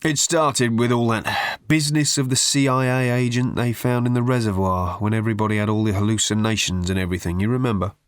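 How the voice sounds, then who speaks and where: A man's voice: mid-range voice, steady tone, brisk, clean tone, no room sound, clean studio sound, close to an everyday voice. A man reading aloud, voicing a brusque, dismissive brother who sounds fed up and impatient. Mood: offhand. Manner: blunt, impatient, exasperated.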